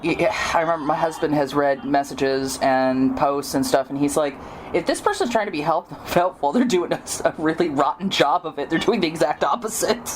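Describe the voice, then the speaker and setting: Woman, podcast host, lower-pitched, casual interview chat, chatty, noisy recording. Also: expressive, normal speed.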